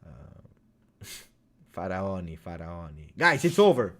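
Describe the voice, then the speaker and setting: A man with an Italian accent, whose first language is French, hosting a live football fan stream and reading out viewer comments. He talks casually, with loud cheers one moment and low mutters the next. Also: big pitch swings, slow. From Italy. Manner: chatty, greets viewers by name, swings from loud cheers to low mumbles. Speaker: football fan livestream host.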